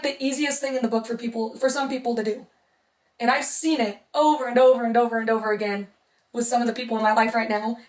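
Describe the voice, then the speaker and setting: A woman's voice: on the high side, reverberant, recorded from a distance, poor audio. A young woman vlogger who is losing her voice, talking earnestly to her viewers and repeating points for emphasis. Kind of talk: casual motivational talk to camera.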